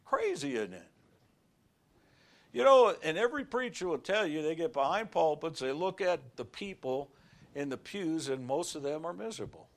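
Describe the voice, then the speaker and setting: A middle-aged male pastor preaching a sermon in a folksy, animated way, shouting on key words and telling everyday stories. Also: fairly high pitch, normal speed, vocal fry.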